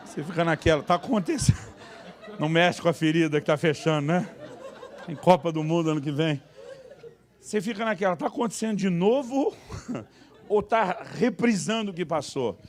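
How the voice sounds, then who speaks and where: A man's voice: fairly high pitch, normal speed, pauses often. A male pastor preaching a humorous sermon, telling anecdotes and acting out the voices in them. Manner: animated, acts out voices in anecdotes.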